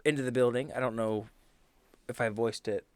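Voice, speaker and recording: A man chatting casually as a tabletop game player, with a hesitant, halting delivery. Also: mid-range voice, fairly even intonation, clear, resonant tone, no room sound. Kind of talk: casual chat and improvised play.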